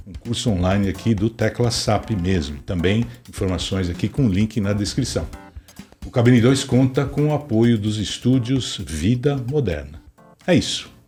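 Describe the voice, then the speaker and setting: A man from Brazil hosting a podcast interview, upbeat and lively as he introduces and questions his guest. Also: mid-range voice. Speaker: podcast host.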